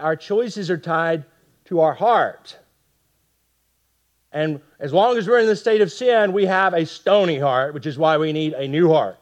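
A man teaching a Bible study to a group, talking fast and often checking in with his listeners. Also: high-pitched.

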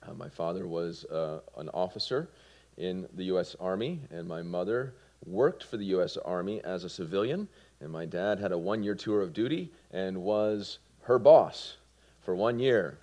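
A man in his forties from Georgia with a Southern American accent, giving his personal testimony in a sermon with earnest, halting delivery. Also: low voice, animated. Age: 40s. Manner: earnest, with fillers and soft laughs. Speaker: preacher.

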